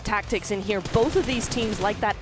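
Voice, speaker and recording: A woman with English as a second language, casting esports and agreeing often with quick remarks. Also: mid-range voice, music in the background. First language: not English. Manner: agreeable, backchannels a lot, quick bursts. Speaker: esports caster. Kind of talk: esports analysis commentary.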